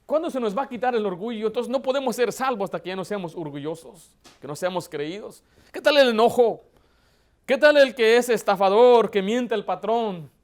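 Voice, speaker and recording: A pastor preaching with a notably high-pitched voice for a man. He hammers his points with rhetorical questions and builds to loud, impassioned emphasis. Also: normal speed. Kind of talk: sermon.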